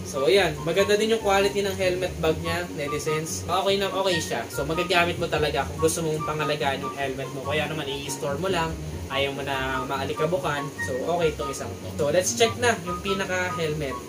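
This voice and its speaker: A man's voice: fairly high pitch, steady tone, a little fast, low-quality recording. A Filipino man talking casually and chattily as a vlogger doing an unboxing review, mixing in English terms. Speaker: motorcycle vlogger and product reviewer. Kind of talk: casual unboxing vlog talk. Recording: music playing behind the voice. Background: prominent guitar music.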